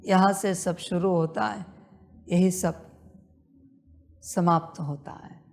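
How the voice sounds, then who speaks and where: Slow, insistent woman guiding meditation. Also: on the low side, fairly even intonation, creaky, a little mellow. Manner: slow, repetitive, insistent spiritual instruction. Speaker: meditation guide. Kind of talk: guided meditation talk.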